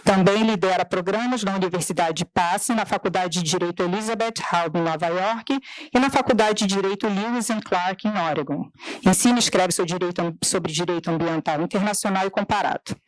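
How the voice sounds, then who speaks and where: A conference moderator reading out speaker bios in a steady, formal way. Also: medium pitch, brisk, no room sound, soft background music, poor audio.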